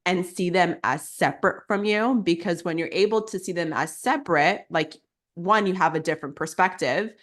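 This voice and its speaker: A woman's voice: lowish voice, normal speed. A young woman coach answering interview questions, earnest and explanatory, with frequent "like" fillers. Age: young adult. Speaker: guest, teen life coach.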